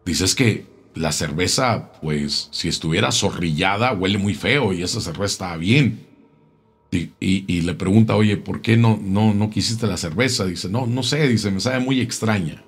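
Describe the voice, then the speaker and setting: A man telling a local tale in a casual, unhurried way, often repeating words as he goes. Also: deep voice, breathy edge. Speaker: storyteller.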